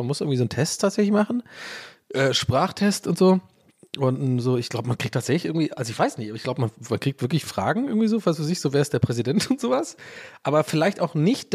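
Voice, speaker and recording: A man's voice: mid-range voice, darkish tone. Rambling Irish-born man chatting solo. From Ireland, Dublin. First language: English. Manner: rambling, self-mocking, many fillers and restarts, swears playfully. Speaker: podcast host. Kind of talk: casual solo podcast chat.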